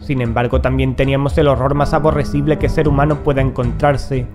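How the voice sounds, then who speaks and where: An actor playing an aloof, brilliant investigator in an audio drama, speaking in a curt, grave, measured way. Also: male voice, medium pitch, close to an everyday voice. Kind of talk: Spanish-language audio drama acting and narration.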